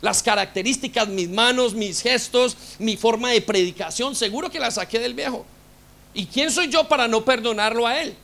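A man's voice: extremely high pitch, normal speed, gravelly, pushed and bright. A man preaching a sermon as a pastor, impassioned and full of rhetorical questions.

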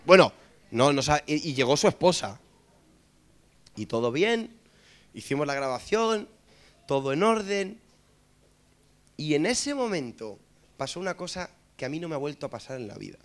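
A man with a Madrid accent preaching through a funny story, animated and joking, asking listeners for amens. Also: fairly high pitch, normal speed, long pauses. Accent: Madrid Spanish. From Spain. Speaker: preacher and musician. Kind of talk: humorous storytelling sermon.

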